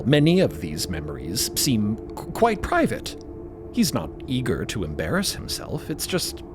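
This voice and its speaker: A man narrating a scripted story in an expressive, theatrical way. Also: mid-range voice, noisy background.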